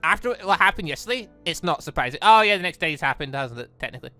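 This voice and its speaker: A gaming host with a bright, forward voice talks through a playthrough casually. The delivery rambles conversationally, as if thinking out loud, with music playing behind it. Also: mid-range voice, animated, fast. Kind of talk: casual gameplay commentary.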